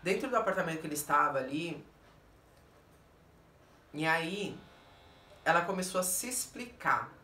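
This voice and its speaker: A woman's voice: sits low, animated, normal speed, pauses often, bright, forceful tone, a little hiss or hum. A Brazilian woman vlogger with a Brazilian Portuguese accent, telling a story to her viewers in a blunt, emphatic way that keeps turning to her audience. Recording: roomy echo, distant mic.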